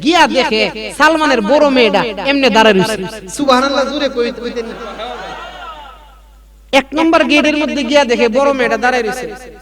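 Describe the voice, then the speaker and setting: High-pitched preacher, rousing. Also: male voice, normal speed, a crowd in the background. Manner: rousing, calls for loud responses, rhetorical questions. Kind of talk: Islamic waz sermon.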